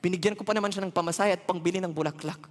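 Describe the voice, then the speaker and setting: A young man telling a story as guest speaker at a church service, animated and acting out the dialogue. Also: high voice, racing, a little hiss or hum. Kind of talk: storytelling testimony. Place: church hall with audience. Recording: long church hall reverb.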